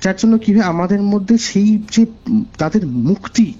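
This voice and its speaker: A man's voice: high-pitched, animated, moderate pace, dark tone. A man with a West Bengal Bengali accent telling a personal story conversationally as a caller, earnestly repeating phrases for emphasis. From West Bengal, India. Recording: dull lo-fi call recording over music. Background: music.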